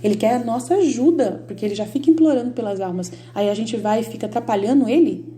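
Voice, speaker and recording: A woman with a Brazilian Portuguese accent gives a devotional talk in a warm, mellow voice that sits a little high. She speaks directly and insistently to her listeners and drives her points home by repeating them. A faint hum runs underneath. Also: fast. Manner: emphatic and repetitive, addresses viewers directly. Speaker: Catholic lay teacher. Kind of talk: informal devotional teaching.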